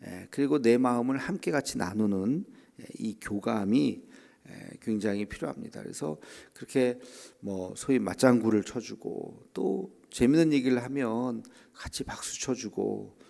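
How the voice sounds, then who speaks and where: A middle-aged man preaching a dawn prayer sermon as pastor, talking conversationally, filling pauses with short affirmations and acting out quoted voices. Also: medium pitch, expressive, creaky, a little mellow. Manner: conversational preaching with frequent "예" and "에" fillers; acts out quoted voices of children and church members. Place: church sanctuary. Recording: long hall reverb.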